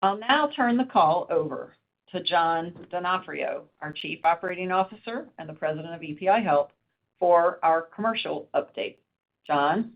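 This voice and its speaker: A woman executive reading a scripted corporate earnings presentation in a formal, measured way. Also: fairly low pitch, animated. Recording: narrowband phone conference line.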